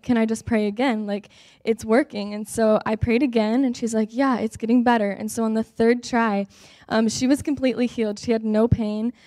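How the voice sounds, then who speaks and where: A woman's voice: a little high, dark tone, dry recording. A young woman giving an upbeat, earnest testimony on a church stage, with many ums, speaking into a handheld mic. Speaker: guest speaker.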